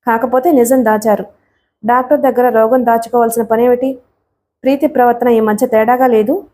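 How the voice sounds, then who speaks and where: A woman's voice: a little high, steady tone, moderate pace, warm tone, natural voice. A woman voicing an anxious middle-aged mother who pleads tearfully in a storybook reading. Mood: reproachful.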